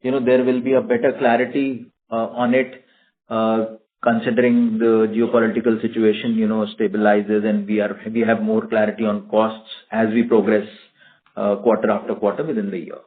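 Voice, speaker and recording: A man with an Indian accent speaking as a company executive on an earnings call, halting, with frequent filler phrases. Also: on the low side, little pitch movement. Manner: halting, frequent "you know". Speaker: company executive answering analyst questions. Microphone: conference phone call. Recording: narrow tinny phone-line audio.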